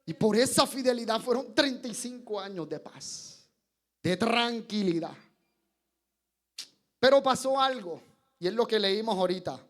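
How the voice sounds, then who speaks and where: A male preacher delivers a sermon in a notably high voice. He speaks at an unhurried pace, drawing the congregation in with questions and little chuckles. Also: animated. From Colombia. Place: church service.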